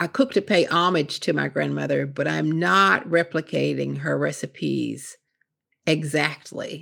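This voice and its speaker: Speaking at a fairly slow pace with a Kentucky accent, a woman is heard on a very clean recording with a silent background. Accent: Southern Appalachian US, Kentucky. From rural Kentucky (Indian Creek). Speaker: author. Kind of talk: interview. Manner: hesitant, many fillers.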